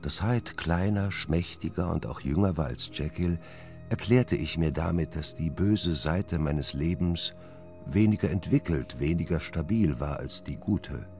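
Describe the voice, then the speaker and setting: A man playing a brooding, sinister Victorian doctor in a radio play, with measured, menacing delivery. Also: rumbling low, expressive, a little mellow, faint music behind, heavily acted. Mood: brooding, confessional. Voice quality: gravelly. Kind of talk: German radio play acting and narration.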